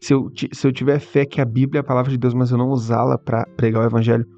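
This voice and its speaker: A man's voice: mid-range voice, level tone, dark tone. Earnest Brazilian man giving a testimony. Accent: Brazilian Portuguese. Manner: earnest, frequent "tá?" tags, halting restarts. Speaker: Christian content creator. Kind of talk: personal testimony and preaching. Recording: dull lo-fi audio with faint music.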